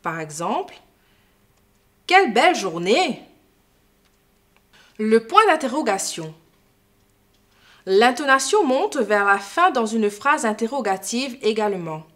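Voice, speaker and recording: A woman's voice: fairly high pitch, sing-song, fairly bright tone. A woman teacher giving a scripted lesson, explaining carefully and didactically. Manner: slow, careful, didactic delivery. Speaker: French teacher.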